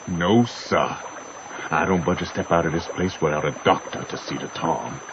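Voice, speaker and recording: A man's voice: low voice, moderate pace, muffled recording, noisy background. A man acting a kindly, steadfast, folksy Southern runaway in a radio drama. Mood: firm. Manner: folksy, earnest.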